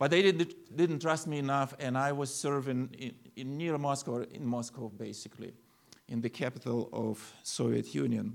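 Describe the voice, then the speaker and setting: A man with a Ukrainian accent, medium in pitch, at a moderate pace. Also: ordinary pitch variation. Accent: Ukrainian-accented English, noticeable. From Kiev, Ukraine. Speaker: preacher. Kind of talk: sermon. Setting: church.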